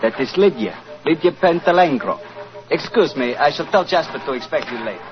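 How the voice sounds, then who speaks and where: A man's voice: a little high, animated, fairly quick, over music, close to an everyday voice. An actor playing a guarded gypsy man in an old radio drama, speaking in terse, stilted, formal phrases. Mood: guarded, informative. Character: guarded, foreign-sounding gypsy man at a fair. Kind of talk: 1940s radio drama acting. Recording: muffled old radio recording.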